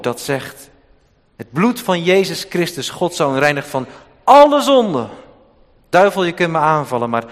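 A man preaching a sermon, with sharp swings in loudness and emphasis. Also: on the high side. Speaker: pastor. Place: church. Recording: long hall reverb.

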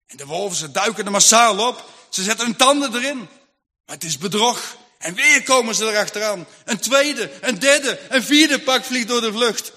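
Bright-voiced male storyteller with hall reverb. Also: high voice, lively intonation, moderate pace. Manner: vivid, rhythmic telling with lists. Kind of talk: dramatic Christian story narration. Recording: long hall reverb, faint music.

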